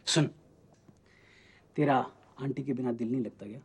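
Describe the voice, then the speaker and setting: A man's voice: mid-range voice, moderate pace, breathy edge. An actor in a TV serial playing a doting, teasing father with a wistful side. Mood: tender, wistful. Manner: teasing, theatrical, mock-formal with the child. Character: playful, doting father of a young child, secretly wistful. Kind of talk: Hindi TV serial drama acting.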